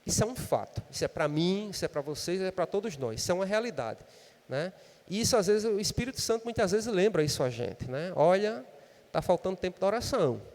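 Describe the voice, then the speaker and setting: Quick and animated, a high-pitched man with a slightly mellow tone preaches in church, his words ringing out in a long reverb tail. His Brazilian Portuguese accent comes through as he keeps the sermon conversational, often adding a questioning "né?".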